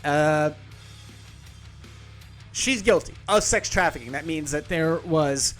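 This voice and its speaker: A man's voice: a little high, slow pace, a bit bright, faint music behind. A man hosting a podcast, reading a news article aloud with casual, profane, rambling asides and frequent self-corrections. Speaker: podcast host.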